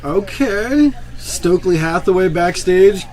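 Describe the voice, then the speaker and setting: Excited man calling out the action. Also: sits high, slow pace. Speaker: podcast host. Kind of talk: live reaction play-by-play.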